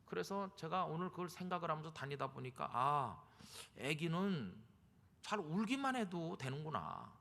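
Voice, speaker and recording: Male pastor, sermon, fairly high gravelly voice, church reverb. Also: big pitch swings, normal speed, bright, forceful tone. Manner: emphatic, rising to fervent appeals. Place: church sanctuary.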